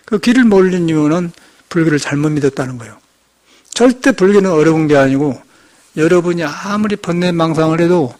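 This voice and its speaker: Older male monk, slight Jeolla accent, fairly high voice, folksy storytelling sermon. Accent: slight Jeolla Korean. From Jeolla region, Korea. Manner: folksy storytelling, chuckles, acts out quoted speech. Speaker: Buddhist monk giving a dharma talk.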